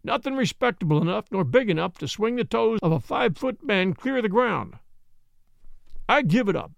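A man voicing a rough, gloomy frontier miner with a drawling way of talking. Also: sits high, sing-song, moderate pace, no echo, full character voice. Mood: glum.

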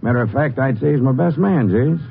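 An actor playing a folksy, easygoing Texas sheriff with a drawl in 1950s Western radio drama style. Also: male voice, mid-range voice, brisk, vocal fry, natural voice. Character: folksy, easygoing male Texas county sheriff, loyal to his men. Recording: muffled, noisy 1950s radio recording.

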